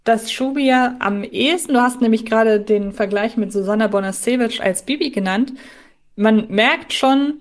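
A woman's voice: fairly high pitch, normal speed. A woman co-hosting a podcast, talking conversationally in a fan discussion. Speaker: podcast co-host.

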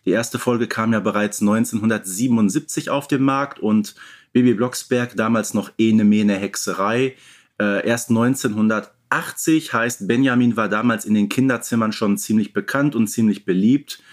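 A man's voice: fairly low pitch, normal speed. Man chatting as a podcast host. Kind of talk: casual fan podcast discussion.

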